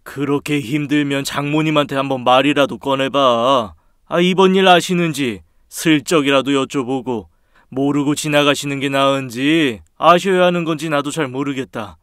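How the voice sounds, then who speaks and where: A man's voice: mid-range voice, moderate pace, fairly bright tone, clean tone, no room sound, clean studio sound. A man performing male roles in a family drama with stern, scolding delivery. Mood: calm. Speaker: voice actor for husband and older brother. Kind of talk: acted drama dialogue.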